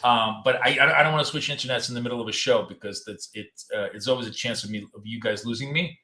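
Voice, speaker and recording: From a home office in a city apartment, an American man hosts a live trading show, talking fast in a mid-range voice that's bright and forceful. Loose and chatty, he repeats himself and doubles up words while coughing and going hoarse as he loses his voice, and the room adds a noticeable echo.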